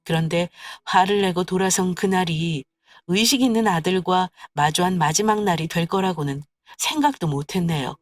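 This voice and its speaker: A woman narrating a scripted story in a plaintive, measured way. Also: lowish voice, no room sound, faint music behind.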